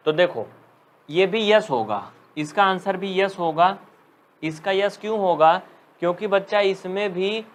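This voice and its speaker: Higher-pitched man teaching math, scolding. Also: fairly bright tone. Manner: scolding, teasing students, reading out commenters' names. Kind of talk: live online class lesson.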